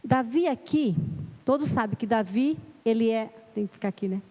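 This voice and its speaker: A woman's voice: fairly high pitch, normal speed, dark tone. A middle-aged Brazilian woman giving a sermon in church, nervous at the start, then earnest and emphatic. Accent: Brazilian Portuguese. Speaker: lay preacher. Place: church hall. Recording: long church-hall reverb.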